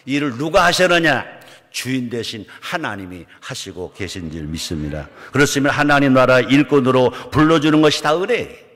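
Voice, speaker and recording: A man's voice: medium pitch, very animated, a bit bright. Older male pastor preaching in a reverberant hall. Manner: emphatic preaching, rising and falling in volume, drawn-out words. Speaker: senior pastor. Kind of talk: sermon. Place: large church sanctuary. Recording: long church hall reverb.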